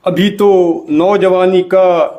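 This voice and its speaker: High-voiced male poet reciting verse. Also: fairly even intonation, warm tone. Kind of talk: poetry recitation with repeated lines.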